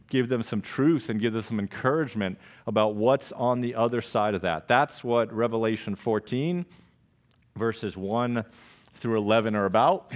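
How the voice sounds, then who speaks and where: A man in his forties preaching a sermon as pastor, telling stories with lively gestures and acting out his own reactions. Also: medium pitch. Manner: animated storytelling, gestures widely, acts out his own reactions. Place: church stage with purple backlit wall.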